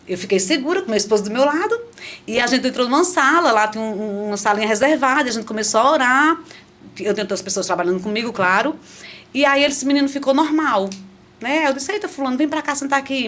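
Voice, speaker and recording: In a podcast studio, a middle-aged guest shares her faith testimony in a lively, chatty manner with a slightly high voice. She frequently starts phrases over and addresses her listeners in asides.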